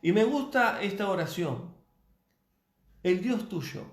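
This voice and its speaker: A man preaching a sermon in a measured, emphatic way, repeating key phrases for weight. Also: high-pitched, very animated, reverberant, soft background music.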